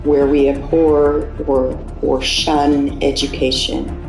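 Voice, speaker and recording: A former Amish speaker, a native speaker of Pennsylvania Dutch, explains things in a slow, deliberate, measured way. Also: mid-range voice, flat delivery, darkish tone. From Amish settlements in the US. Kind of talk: earnest explanatory talk. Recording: echoey room with music underneath.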